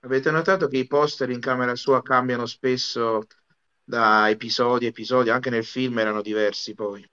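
A man's voice: mid-range voice, fairly even intonation, normal speed, sharp tone, smooth. A man giving casual live commentary as a panelist on an anime watch-along over a video call. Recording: slightly dull video call audio.

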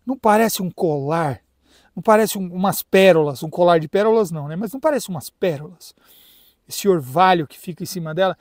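A man with a fairly high voice and a Brazilian Portuguese accent talks in a loose, playful vlog manner, sometimes mangling words on purpose. He is outdoors in a garden by a pool, caught on a phone's own mic rather than a proper microphone. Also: brisk, no room sound. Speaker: carnivorous plant grower and channel host. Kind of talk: casual vlog chat. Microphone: phone built-in mic, no external mic.

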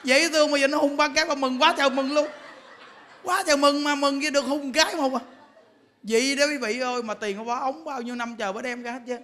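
A man's voice: very high voice, fairly even intonation, fast talker, sharp tone. A man, a Buddhist monk giving a sermon, telling humorous stories and laughing as he talks. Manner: humorous storytelling, laughs while talking. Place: temple lecture hall. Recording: long hall reverb.

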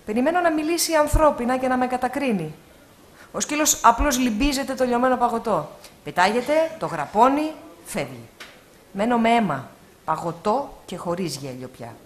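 Woman reading a story aloud, higher-pitched. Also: a little hiss or hum. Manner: expressive, measured storytelling with pauses. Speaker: reader at an award ceremony. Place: live event before an audience.

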